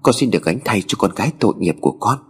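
A man's voice: on the low side, very animated, brisk, breathy edge, exaggerated voice. A man voicing an anxious elderly mother who murmurs pleading prayers for her daughter.

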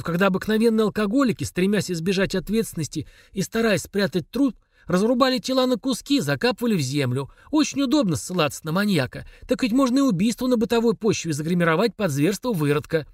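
A man's voice: sits high, lively intonation, a little fast, no room sound, clean studio sound, voice pushed up. A man voicing a wry, stubborn ex-cop. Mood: argumentative. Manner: mocking, stubborn, offhand. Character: wry drinking former male cop, stubborn.

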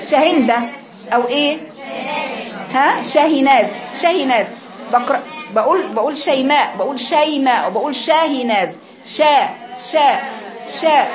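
An Egyptian woman teaching Quran recitation to a class, correcting students and demonstrating drawn-out chanted syllables. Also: fairly high pitch. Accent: Egyptian Arabic.

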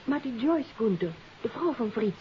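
An actress playing a refined, concerned wife of a detective in a 1950s radio drama, attentive and inquiring. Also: female voice, fairly high pitch, expressive, normal speed, natural voice. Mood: surprised, curious. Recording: dull, hissy 1950s radio recording.

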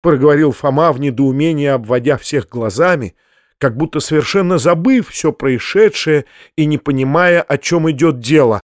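Male audiobook narrator, fairly high voice, dry close sound. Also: lively intonation, no echo. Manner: measured literary reading. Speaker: audiobook reader. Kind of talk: scripted narration.

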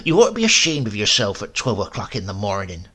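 Storybook role: a sharp-tongued old grandmother, scolding and shrill, with lively pitch, put on by a man. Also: fast, exaggerated voice.

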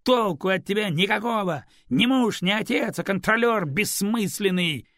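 A man's voice: fairly high pitch, lively intonation, moderate pace, vocal fry, a little mellow, no echo, clean studio sound, pitched above the performer's own voice. A man voicing a tipsy young mother who scolds her partner and coos baby talk to her infant. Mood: angry.

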